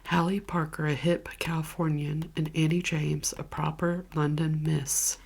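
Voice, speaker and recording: Low creaky whispering woman, keyboard clicks. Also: little pitch movement, unhurried. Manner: soft whispering, chatty and gushing. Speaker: ASMR vlogger. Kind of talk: whispered ASMR movie recommendations. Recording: keyboard clicks and typing behind voice.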